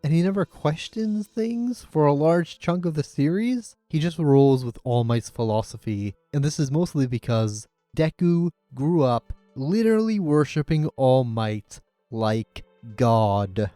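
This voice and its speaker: A man's voice: fairly high pitch, lively intonation, measured pace, dark tone, no room sound. A man narrating a scripted video essay in an opinionated, sarcastic, casual way. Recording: music playing under the voice. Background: background music.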